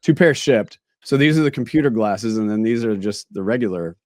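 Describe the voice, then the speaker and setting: A man hosting a casual interview, a little raspy and hoarse. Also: on the low side, lively intonation, a little fast, no room sound, clean studio sound. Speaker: podcast host.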